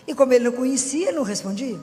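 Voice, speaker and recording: A middle-aged woman with a Minas Gerais accent delivers a relaxed, conversational sermon. She keeps asking her listeners whether they agree. Her voice rings through a large hall with a long echo, and soft music plays faintly underneath. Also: sits high, racing. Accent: Minas Gerais Brazilian Portuguese. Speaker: preacher.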